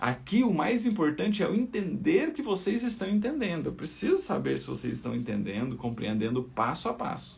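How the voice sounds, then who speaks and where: A man with an animated tone, talking at a moderate pace with hardly any pauses. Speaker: acupuncture teacher. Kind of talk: online lecture.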